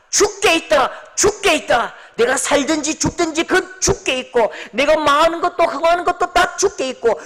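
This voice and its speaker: A male pastor preaches with fervor, his voice pitched very high for a man. He shifts between ringing exclamations and soft, hushed whispers. Long reverberation from the sanctuary trails every phrase. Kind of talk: sermon. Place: church sanctuary.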